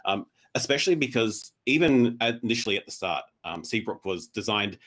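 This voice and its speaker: Male panelist from Australia, low voice, speaking off the cuff on a video call. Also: expressive, fairly quick, a bit bright. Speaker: panelist, podcast showrunner. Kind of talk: unscripted panel answer. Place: room at home, indoors.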